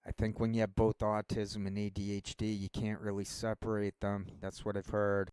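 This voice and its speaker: A man with a low, resonant voice rambles through a casual monologue for his channel. He talks in a halting way, doubting himself and restarting his sentences. The sound is close and dry. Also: completely flat delivery, a little mellow, smooth, dry recording. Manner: halting, self-deprecating, many restarts. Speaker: channel host.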